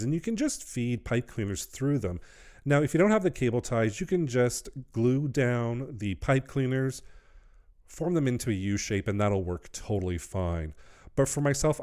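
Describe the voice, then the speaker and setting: A man's voice: mid-range voice, mellow. A middle-aged man hosting a wreath-making tutorial, explaining each step in an upbeat, instructional way. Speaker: wreath-making channel host. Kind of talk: craft tutorial voice-over.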